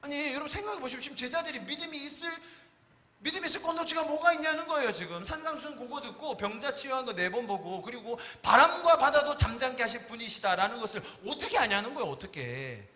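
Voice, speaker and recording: Male pastor, animated sermon delivery, very high and bright tone, wide pitch movement. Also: fast talker, long reverb tail. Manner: animated, acts out voices of disciples and Jesus. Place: church sanctuary.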